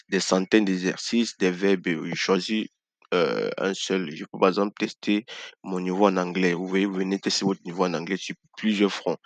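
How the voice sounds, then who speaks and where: Deep-voiced man walking through a tutorial. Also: no room sound. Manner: chatty, repeats himself, many fillers. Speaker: channel host giving a tutorial. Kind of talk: casual screen-share tutorial.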